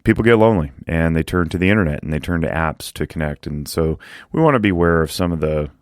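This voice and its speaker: A man's voice: a bass voice, lively intonation, fast, smooth, no room sound, studio quality. A man hosting a podcast interview, chatty and rambling, laughing easily as he talks. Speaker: podcast host. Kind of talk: casual interview chat.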